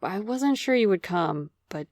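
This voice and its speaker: A woman's voice: mid-range voice, lively intonation, measured pace, darkish tone, no room sound, studio quality. A woman playing a contrite but hopeful city official in an audio drama, formal and apologetic in manner. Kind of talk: audio fiction acting.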